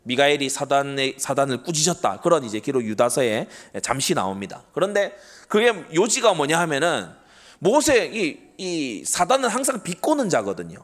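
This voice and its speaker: Man, middle-aged, pastor, sermon, slightly high voice, emphatic, rhetorical questions. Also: sing-song, normal speed.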